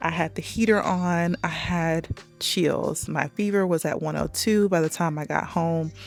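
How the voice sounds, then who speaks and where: A woman with an Alabama accent speaks at a fairly slow pace in a fairly low pitch, with ordinary pitch variation and music in the background. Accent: US Southern (Alabama). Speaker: lifestyle vlogger. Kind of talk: casual vlog talk to camera. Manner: low, subdued.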